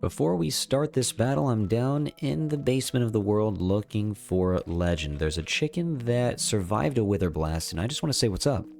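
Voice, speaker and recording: A man's voice: lowish voice, normal speed, gravelly, few pauses, darkish tone. A man with a slight cold giving casual, chatty gameplay commentary as host of a gaming series, thinking aloud as he goes. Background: music.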